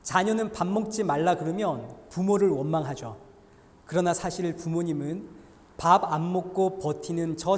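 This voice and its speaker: A male pastor delivers a sermon with a fairly high voice, his delivery animated and rising in force when he acts out quoted voices. The sound carries a long reverb, as if it fills a large church sanctuary. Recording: echoey church hall reverb.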